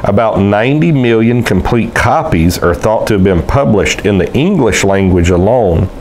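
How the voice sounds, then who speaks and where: A middle-aged pastor, seated at a desk in a small room and talking conversationally to a camera in front of him, reading quotes aloud between frequent uh pauses. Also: male voice, on the low side, animated, darkish tone, a little hiss or hum. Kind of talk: casual teaching video reading quotes aloud. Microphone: fixed camera in front of the desk.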